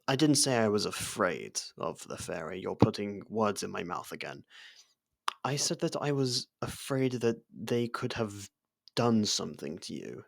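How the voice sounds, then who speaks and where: A man's voice: on the low side, creaky, dry recording, clean studio sound. A man playing a devoted, worried royal servant in an intimate fantasy roleplay, speaking formally and earnestly with careful deference. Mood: earnest, determined.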